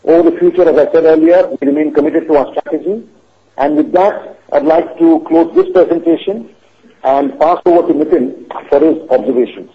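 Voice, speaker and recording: A man with an Indian accent giving a formal, measured corporate earnings presentation as a company finance executive. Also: a little high, expressive. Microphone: conference call line. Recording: dull lo-fi conference call audio.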